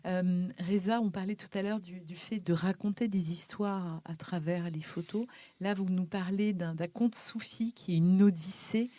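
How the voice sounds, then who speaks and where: Mellow-voiced woman radio interviewer. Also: lowish voice, steady tone, moderate pace, dry recording.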